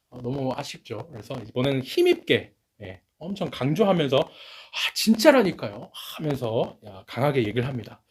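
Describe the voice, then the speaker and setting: A man preaching a sermon as pastor, telling stories with lively delivery and acting out what people said. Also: medium pitch, breathy edge. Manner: lively storytelling, acts out quoted speech.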